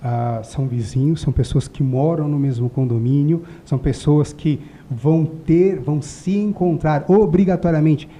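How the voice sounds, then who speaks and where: A man's voice: a little high, normal speed, hardly any pauses. A man hosting a talk show, steadily steering the talk. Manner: steady, moderating. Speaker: host. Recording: dull, muffled sound.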